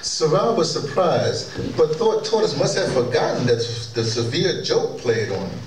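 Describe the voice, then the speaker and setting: A man's voice: fairly high pitch, big pitch swings, a little slow. Distant, echoey male storyteller. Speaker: narrator and presenter. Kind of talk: storytelling narration of an audio drama. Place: large wood-panelled conference hall, indoors. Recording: distant, echoey hall, clear background noise.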